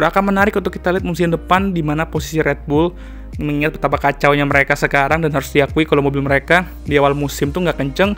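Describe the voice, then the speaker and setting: Fast-talking hoarse man. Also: on the high side, fairly bright tone. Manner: chatty, slangy Jakarta-style casual talk. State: slightly hoarse. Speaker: F1 commentary YouTuber. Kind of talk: casual vlog commentary. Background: background music.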